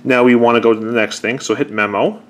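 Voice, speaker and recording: A man's voice: mid-range voice, steady tone, fast talker, a bit bright. A man talking casually and unscripted, explaining a product step by step in a conversational way. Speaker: presenter demonstrating an old answering machine.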